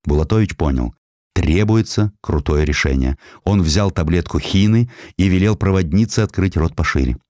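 Male audiobook narrator, very low register, expressive historical storytelling, close dry recording. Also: normal speed, no room sound.

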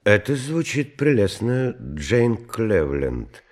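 An actor playing a suave, secretive count in an audio drama, courtly, with hesitant, drawn-out phrasing. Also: male voice, lowish voice, very animated, heavily acted. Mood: courtly, evasive. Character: tall, suave, secretive count interviewing job applicants. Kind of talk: theatrical audio drama acting.

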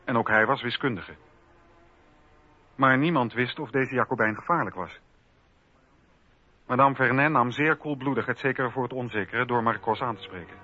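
A man narrating a historical radio drama from a script in a measured, factual way. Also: mid-range voice. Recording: slightly dull radio recording.

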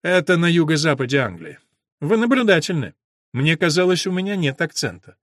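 A man voicing a stern English army major who speaks clearly, softly and seriously. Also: on the high side, big pitch swings, fairly quick, no room sound, studio quality. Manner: clipped, soft, serious.

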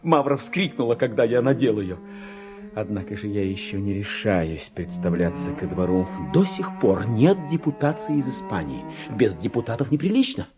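An actor playing a deluded clerk who believes he is a king, in a pompous, erratic, theatrical radio monologue that swings from hushed to shrill. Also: animated, moderate pace, over music, close to an everyday voice. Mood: grand, secretive. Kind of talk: dramatic literary monologue, Russian radio play.

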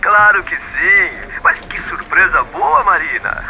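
A man's voice: high voice, slow, very noisy. An actor playing a glib, evasive young man in a radio soap, coaxing and breezy with his sweetheart. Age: young adult. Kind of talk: radio soap opera acting.

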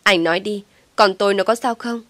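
A frantic, grieving young mother, as a woman storyteller puts her on, her voice pitched low yet breaking into shrill, crying outbursts. The sound is dry and close, with no room around it. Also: brisk, dry recording, natural voice. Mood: distraught.

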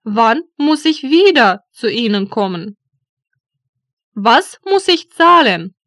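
A woman reads out short German phrases for learners, each one spaced out and repeated. Her voice sits high and bright, with a lively rise and fall. The recording is dry and close. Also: dry recording. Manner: deliberate, each phrase read twice. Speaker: German language teacher voice. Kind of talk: slow phrase drills for learners.

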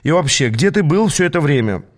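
A man's voice: a little high, animated, pitched above the performer's own voice, lightly acted. Man voicing a young female assassin, playful, teasing, audiobook. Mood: chiding. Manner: teasing and brisk. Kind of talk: audiobook reading.

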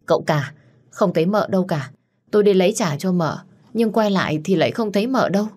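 A woman's voice: on the low side, expressive, brisk, a little mellow, husky, pitched above the performer's own voice. A woman voicing a deferential middle-aged household maid who fusses over her mistress. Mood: worried. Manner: deferential, fussing.

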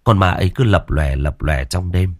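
A man's voice: low-pitched, moderate pace, dry recording, studio quality. A man narrating a ghost story in a vivid, colloquial way.

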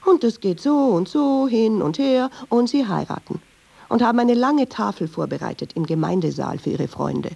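A woman's voice: mid-range voice, lively intonation, moderate pace, gravelly, mellow, breathy edge, lo-fi sound. An actress playing a chatty, ironic Jewish woman who tells restless, digressive, insistent stories in a radio drama. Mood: ironic, musing. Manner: wry, digressive, insistent storytelling. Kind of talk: radio drama monologue in dialogue.

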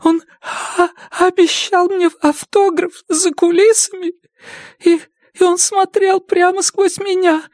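A man's voice: very high voice, little pitch movement, takes it slowly, darkish tone, dry recording, clean studio sound, voice pushed up, exaggerated voice. A man voicing a frightened young woman in an audiobook, pleading in a choked, sobbing voice. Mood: tearful. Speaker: audiobook narrator voicing a character.

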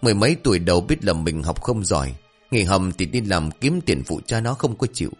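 A man's voice: low-pitched, lively intonation, a little fast, breathy edge, soft background music. A man voicing a bold, gossipy village woman who scolds with a shake of her head. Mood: scolding.

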